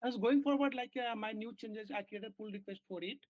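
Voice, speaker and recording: Halting man explaining a bug. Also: high voice, darkish tone, dry recording. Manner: halting explanations full of fillers and restarts. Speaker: software engineer. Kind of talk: work meeting on a video call. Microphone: video call. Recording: dull lo-fi call audio.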